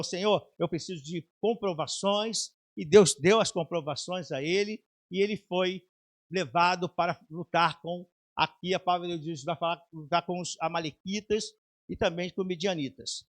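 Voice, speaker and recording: A man's voice: sits high, normal speed. A man with a Brazilian Portuguese accent preaching a sermon as pastor, emphatic and fervent. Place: church.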